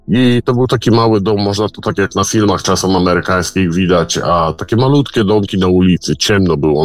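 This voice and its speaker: A man telling a personal story in casual speech, halting, with repeated words and restarts. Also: sits low, no room sound.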